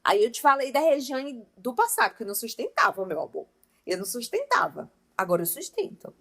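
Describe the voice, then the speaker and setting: A young woman giving an informal Christian devotional talk, speaking emphatically and straight to her listeners with affectionate asides. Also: on the high side. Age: young adult. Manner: emphatic, talks straight to the listener as "meu amor" and "gente".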